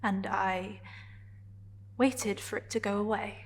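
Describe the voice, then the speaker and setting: A woman performing a dramatic stage monologue as a vulnerable, defiant gay woman confronting a partner, in halting, emotionally charged phrases. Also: medium pitch, steady tone, slight background noise, close to an everyday voice. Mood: quiet, confessional.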